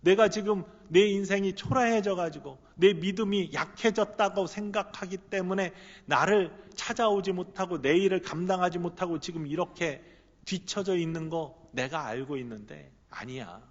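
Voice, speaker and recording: Pastor doing a soft pleading teacher voice that pushes, kinda high, church echo. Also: male voice, normal speed. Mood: tender coaxing. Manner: intimate pleading turning to rousing calls. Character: gently urging risen teacher speaking to a disciple. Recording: echoey church hall, slightly muffled.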